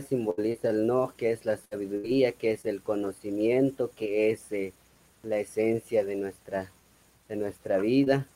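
Mellow-voiced man, K'iche'. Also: on the low side, low-quality recording. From Guatemala. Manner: measured, repetitive, with frequent "eh" fillers. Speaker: guest, Maya spiritual speaker. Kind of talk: reflective explanation.

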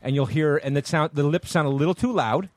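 A man hosting a podcast in casual chat, laughing often and steering the talk with quick asides. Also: on the high side, a little mellow, dry recording. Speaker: podcast host.

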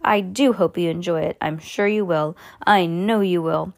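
An exuberant, eccentric little gentleman from a storybook , acted out by a woman. The voice is high and fluty, gushing with polite exclamations and effusive welcomes. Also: gravelly. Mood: effusive, delighted. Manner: effusive, quick-fire exclamations and pleasantries. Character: exuberant, fussily polite, little eccentric male chocolate factory owner.

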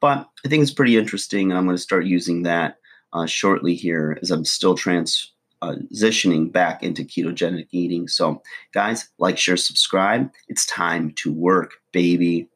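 A middle-aged man with a hoarse, froggy voice from allergies, casually chatting to camera as a fitness vlogger, loose and full of ums. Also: low voice, moderate pace, a bit bright. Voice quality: husky.

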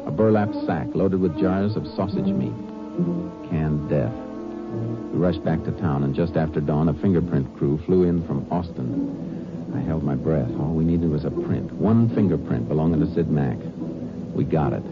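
An actor playing a tough, steady Texas Ranger who tells his case tersely in a 1950s radio drama. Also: very deep voice, moderate pace. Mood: grim, suspenseful. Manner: terse, clipped storytelling. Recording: vintage radio recording, dull, music behind.

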